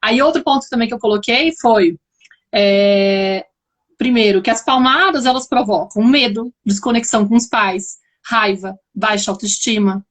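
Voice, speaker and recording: A woman's voice: on the high side, moderate pace. A woman with a Brazilian accent hosting a live video chat, explaining her points in a thoughtful way. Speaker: host.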